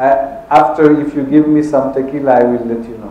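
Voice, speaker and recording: Fairly quick and fairly high-pitched, a man with a French accent speaks with fairly even intonation amid noticeable background noise and audible room echo. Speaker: agronomy researcher. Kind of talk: seminar talk. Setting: auditorium with audience. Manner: informal, conversational.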